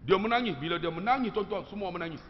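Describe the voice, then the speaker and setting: A man preacher with a Malaysian Malay accent telling an animated, humorous story to his congregation. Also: high voice, fast talker, slight background noise. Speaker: religious teacher. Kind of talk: storytelling sermon. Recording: dull lo-fi sound with long hall reverb.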